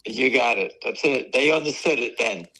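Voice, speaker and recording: A man with a voice hoarse from weeks of coughing, chatting in a rambling way as a guest on a live stream. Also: mid-range voice, animated, normal speed, pushed and bright, low-quality recording. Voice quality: gravelly, raspy. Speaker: guest on a stock market stream. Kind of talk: casual chat.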